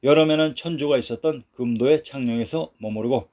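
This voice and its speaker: Slow, measured male documentary narrator. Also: mid-range voice, a little mellow. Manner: slow, measured, reads long lists of place names.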